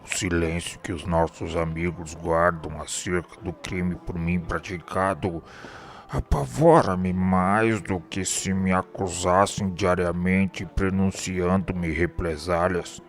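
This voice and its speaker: Low voice, slow delivery, Brazilian, anguished remorseful ghost, acted by a man, solemn radio drama. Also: fairly even intonation. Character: remorseful, tormented male spirit of a suicide.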